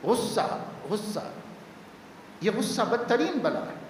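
Male preacher, high voice, emphatic Friday sermon, long hall reverb, faint background hum. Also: very animated, measured pace. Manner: emphatic, repeats key words for stress. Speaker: maulana preaching.

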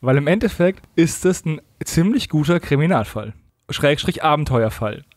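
Higher-pitched man co-hosting a podcast. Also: expressive, moderate pace, no echo, studio quality. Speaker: podcast co-host. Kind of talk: casual podcast chat.

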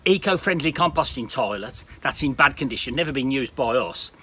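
A man's voice: medium pitch, expressive, fairly quick, pushed and bright, slightly rough. A man from the UK chatting bluntly and rambling to a handheld camera outdoors in his garden. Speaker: smallholder vlogger. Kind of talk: casual chat to camera.

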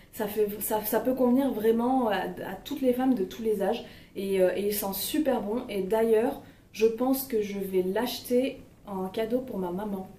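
The young woman's voice is warm and mid-range as she chats about her favorite beauty products. Her talk is hesitant and full of fillers; recorded at home, it has a roomy sound, a distant mic, and faint noise.

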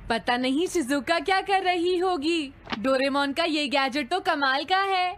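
A woman's voice: sits high, a little slow, a little hiss or hum. A woman voicing a hapless, dreamy young schoolboy with a childlike manner in a cartoon dub. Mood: pleased, musing. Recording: loud music behind the voice.

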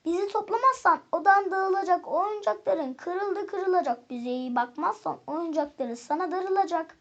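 A woman reading a storybook, voicing the oldest toy, a sad and wise white teddy bear who speaks gently. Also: extremely high pitch, moderate pace, dull audio, pitched above the performer's own voice. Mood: scheming. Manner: gentle rhyming, sorrowful pleading.

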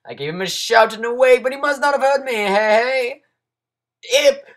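A man voicing an excitable, jumpy crayfish creature, a guild apprentice, with a hurried, stammering, exclamatory delivery. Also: very high-pitched. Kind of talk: character voice audition.

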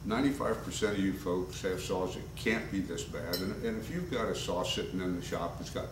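An older man with a very deep voice walks through a woodworking repair in a relaxed, rambling way, full of "uh"s and asides. He sounds a few steps from the camcorder mic, in a boomy, roomy workshop with steady noise behind him. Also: fairly quick, recorded from a distance. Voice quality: folksy, rambling with many fillers. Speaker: woodworking instructor. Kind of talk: casual workshop demonstration. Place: home workshop, indoors. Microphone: camcorder mic at a distance.

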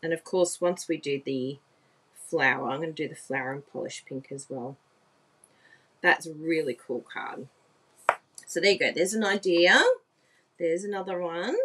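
A husky, low-pitched woman with a fairly bright tone runs a live papercraft demonstration at a desk in an indoor craft room. She speaks at a moderate pace with frequent pauses, chatting, laughing, exclaiming often, and asking viewers if they agree.

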